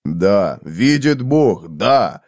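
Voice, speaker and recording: A man voicing a gruff, tormented man in a storybook reading, speaking slowly and tersely. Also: lowish voice, sing-song, a little mellow, no room sound, studio quality, pitched below the performer's own voice, full character voice. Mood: brooding. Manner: slow, heavy, terse.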